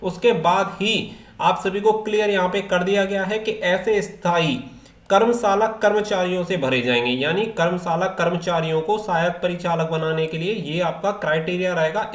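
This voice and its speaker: A man's voice: high-pitched, moderate pace. A man presenting an informal educational explainer, reading out official rules and then restating them step by step in a repetitive way. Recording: echoey, reverberant room.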